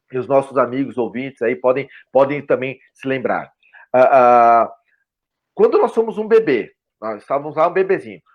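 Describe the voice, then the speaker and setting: A middle-aged man with a Brazilian Portuguese accent talks in an interview with a very lively, wide-ranging pitch. He explains at length in an animated way. He acts out example phrases as he goes. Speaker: guest, language school CEO. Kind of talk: conversational interview.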